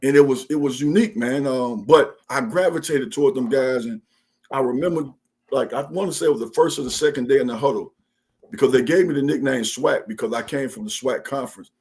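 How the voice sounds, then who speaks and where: A man's voice: mid-range voice, brisk, a little mellow, husky. A man from Mississippi with a Southern Black American accent, telling stories casually in a folksy, emphatic way, punctuating his phrases with "man.". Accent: Southern Black American, country Mississippi drawl. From Mississippi, USA. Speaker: guest, former college football player. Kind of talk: casual storytelling in an interview.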